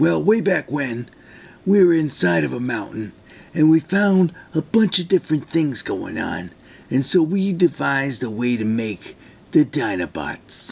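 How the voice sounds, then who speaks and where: A man puts on a character voice pitched fairly high. His pitch swings very widely at a moderate pace. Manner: rambling, reminiscing.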